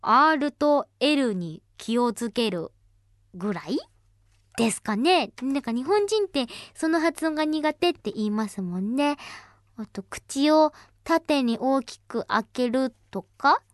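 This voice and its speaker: A woman's voice: high voice, animated, takes it slowly, dry recording, clean studio sound. A woman hosting a casual radio show, reading listener letters aloud in a bubbly, chatty way and laughing often.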